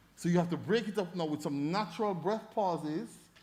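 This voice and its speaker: Animated in tone, a man with a Jamaican accent speaks at a moderate pace and a high pitch, with ordinary pitch variation. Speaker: debate judge. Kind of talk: results announcement; feedback talk to students.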